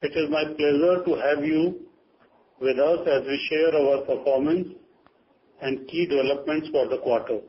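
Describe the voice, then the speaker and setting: A man's voice: fairly high pitch, fairly even intonation, normal speed. A man with an Indian accent reading a formal, scripted corporate statement as a company chief on a conference call. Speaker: company chief giving earnings remarks. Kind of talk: formal prepared corporate statement read aloud. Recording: dull lo-fi conference call, faint noise.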